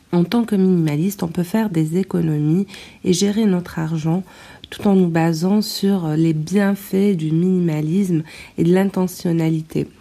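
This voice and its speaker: A woman hosting a casual solo podcast, talking hesitantly with many filler sounds and recorded in low sound quality on a tablet's built-in microphone. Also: warm tone. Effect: low-quality sound from a tablet's built-in mic after her microphone broke. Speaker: podcast host.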